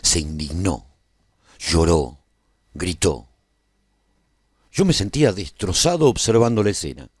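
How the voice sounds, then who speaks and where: Radio drama narrator, played by a male actor: low-voiced, earnest, reflective man, solemn dramatic phrasing, very close dry sound. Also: darkish tone, no room sound. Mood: grave, dramatic. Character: earnest, reflective man recounting his life at a royal court. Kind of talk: scripted radio serial narration.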